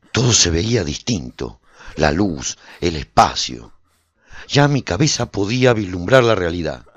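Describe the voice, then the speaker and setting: An actor playing a weary swordsman who narrates his post-apocalyptic adventure in a radio drama, husky and theatrical. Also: lowish voice, no echo, heavily acted. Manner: intense, theatrical. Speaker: narrator and protagonist.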